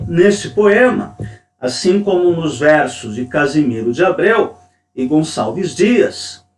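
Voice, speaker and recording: Slow, lively-pitched male teacher. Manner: slow, deliberate, stresses syllables when reading verse. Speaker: creative writing teacher. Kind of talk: lecture on poetry. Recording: echoey room, distant mic.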